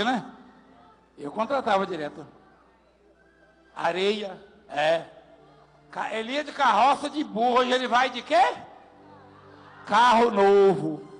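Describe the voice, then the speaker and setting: Male pastor, high voice, playful interviewer, large reverberant church. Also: fairly bright tone. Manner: teasing, folksy, fast back-and-forth. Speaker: pastor leading a service. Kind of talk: joking church testimony interview. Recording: long hall reverb with music.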